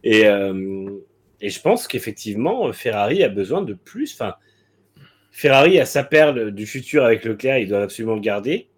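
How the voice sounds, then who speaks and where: A man's voice: on the low side, very animated, normal speed, slightly rough. A man co-hosting a motorsport talk show, giving frank, blunt opinions with many hesitant fillers. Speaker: motorsport podcast co-host. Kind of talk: casual opinionated chat.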